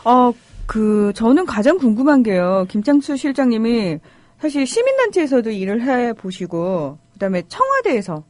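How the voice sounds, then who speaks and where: A young woman announcer hosting a talk show, asking questions in a lively, friendly way. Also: fairly high pitch, normal speed, no room sound. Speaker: announcer and host. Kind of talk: studio talk show interview.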